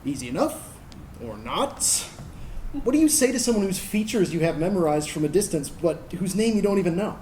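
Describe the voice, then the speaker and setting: A man's voice: high-pitched, very animated, brisk, dark tone. A man acting in a staged reading as a gay military brat recalling youth in a wry, conversational, comic way. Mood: playful, sheepish. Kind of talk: animated storytelling monologue to an audience. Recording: stage recording with faint noise.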